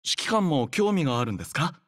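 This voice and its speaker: Anime game role: young male android soldier, slightly higher register, polite, formal, earnest and composed; dry studio sound. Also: big pitch swings, quick pace, no room sound. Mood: polite, soft. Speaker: game character voice. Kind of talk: scripted anime game voice lines.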